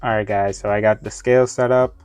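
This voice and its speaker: Halting man with a slight retainer lisp. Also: on the low side, fairly even intonation, a little mellow, clean tone, soft background music. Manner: halting, rambling, often losing his thread. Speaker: toy review vlogger. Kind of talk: casual unboxing review chat. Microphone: close microphone within his reach.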